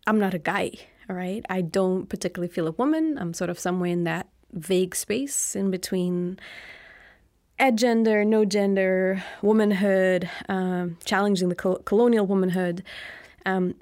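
A woman's voice: medium pitch, moderate pace, dry recording, studio quality. A young adult woman whose first language is Lithuanian, giving a thoughtful interview answer full of ums and tag questions. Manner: thoughtful, many ums and uhs, often adds "right?". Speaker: interview guest. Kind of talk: reflective conversational answer.

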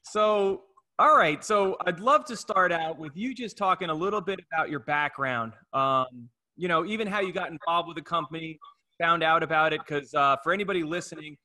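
A man's voice: on the high side, moderate pace, bright, forceful tone. A man co-hosting a podcast, upbeat and easygoing as he introduces and interviews a guest. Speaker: podcast co-host. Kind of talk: podcast hosting, casual chat.

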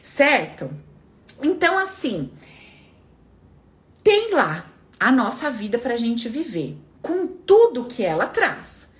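Her voice sits a little high, and she speaks slowly with long pauses. As host of a live stream, she tells motivational stories in a relaxed way, acting out quoted voices with animation. She chats informally, calling listeners "minha filha" and "menina".

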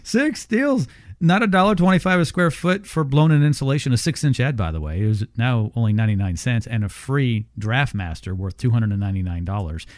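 A man's voice: medium pitch, quick pace, few pauses, dry recording. A man hosting a home-improvement radio show, teasing his guest and reading ads in a casual way. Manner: jokey, teasing banter. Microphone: studio microphone. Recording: dry studio sound.

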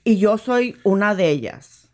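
A woman's voice: medium pitch, expressive, measured pace. A woman co-hosting a casual chat, persistently asking questions. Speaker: podcast co-host.

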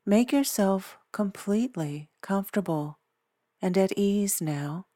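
A woman leading a guided meditation in a soothing, deliberate way, pausing often between short phrases. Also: mid-range voice, expressive, no room sound, clean studio sound. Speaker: meditation guide, podcast host. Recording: background music. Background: soft instrumental music.

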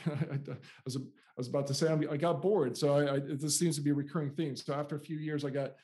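A man's voice: fairly high pitch, steady tone, quick pace, warm tone. A man in his forties with an American accent, telling his story as an interview guest and often repeating and restarting words. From United States. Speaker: guest, software founder.

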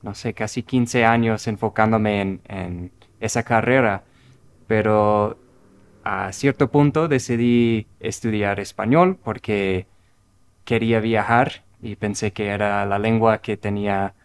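In a relaxed conversation where he is the guest, a middle-aged Minnesotan speaks learner's Spanish with his American English accent, English being his native language. His voice is fairly low-pitched and smooth, and he talks slowly and reflectively, often starting words over.

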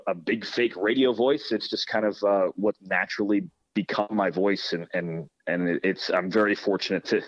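A man's voice: sits low, lo-fi sound. A man, a sports broadcaster, giving earnest, explanatory answers in a conversational interview and repeating words for emphasis. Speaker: hockey play-by-play broadcaster being interviewed.

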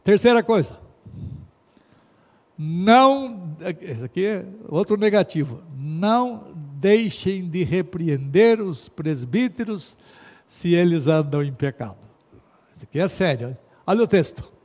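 High-voiced Brazilian pastor preaching in a hall. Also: male voice, expressive, a little slow. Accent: Brazilian Portuguese. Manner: emphatic, exhorting, swings between loud stresses and quiet asides. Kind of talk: sermon. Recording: long hall reverb.

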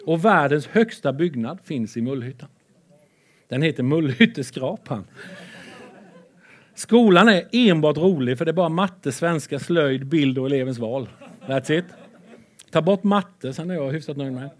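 A man preaching a lively sermon with Bible readings, excitable and playful, swinging between loud and soft. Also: a little high, pauses often.

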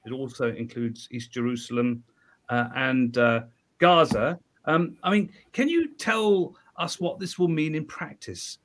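A man's voice: medium pitch, a little slow, a bit bright. A man hosting a live interview, forming his questions in a wordy, hesitant way and repeating words as he goes. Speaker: host, interviewer.

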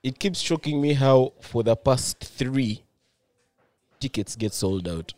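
A man's voice: mid-range voice, expressive, slow pace, darkish tone, no room sound. A man, chatting casually as a podcast co-host in brief, slangy interjections. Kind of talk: casual chat.

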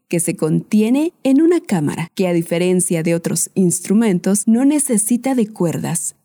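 A woman, narrating a documentary podcast as its host in a calm, measured way. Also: on the low side.

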